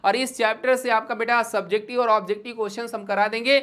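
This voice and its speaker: A woman teacher with an Indian accent giving an online exam-prep lesson. She mixes Hindi and English, calls her students "beta", and reads English verse slowly in a rhythmic recital. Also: fairly high pitch, steady tone, fairly bright tone.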